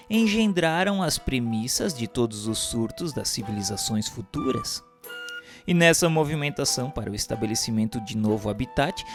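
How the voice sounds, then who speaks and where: A man with a Brazilian accent reads a scripted narration in a solemn, formal, declamatory way. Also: medium pitch. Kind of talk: scripted narration, audiobook-like reading of a religious history text. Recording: voice over instrumental guitar music. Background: instrumental music with guitar.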